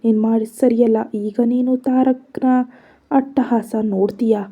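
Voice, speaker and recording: A woman's voice: a little high, steady tone, unhurried, husky. A woman voicing a cruel, possessive young man who threatens and mocks in a storybook narration. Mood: menacing. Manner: threatening, mocking. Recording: slightly dull lo-fi audio.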